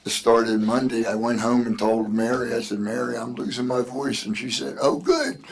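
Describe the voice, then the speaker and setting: A man with a New Jersey accent, a mayor chairing a town meeting, hoarse from losing his voice and joking in a folksy way. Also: medium pitch, steady tone, normal speed, a crowd in the background. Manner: jokey, folksy.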